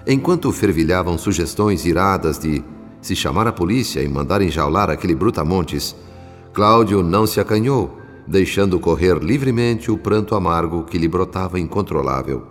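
A man's voice: sits low, animated, moderate pace. A man with a Brazilian accent narrating a radio soap opera in a dramatic, scripted style. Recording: long reverb, music behind.

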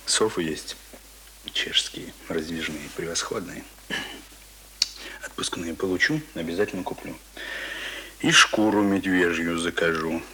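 An actor playing a talkative, pompous middle-aged print worker in a Russian radio play, boasting in folksy colloquial speech. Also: male voice, sits low, measured pace, long pauses, bright, forceful tone, slight background noise, rough recording. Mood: boastful, contented. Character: talkative middle-aged male print worker, self-important former drinker. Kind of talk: Russian radio drama acting.

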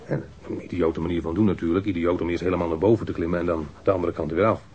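A low-voiced, evasive street crook. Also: male voice, fairly even intonation, fast, a little mellow, husky. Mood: insistent, irritated. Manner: defensive, hesitant, rambling, slangy. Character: evasive male street mugger under police questioning. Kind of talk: naturalistic radio drama acting. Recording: dull lo-fi radio recording.

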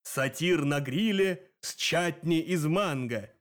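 A man voicing a huge, menacing one-eyed cyclops who talks in a slow, drawn-out growl. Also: high voice, animated. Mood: musing.

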